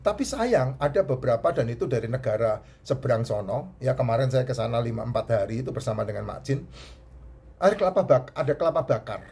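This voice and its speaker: Middle-aged guy, nasal and kinda husky, rambles and repeats stuff. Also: mid-range voice, animated, brisk, warm tone. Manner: chatty, repeats points, restarts words. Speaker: host giving health advice. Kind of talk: casual health talk to camera.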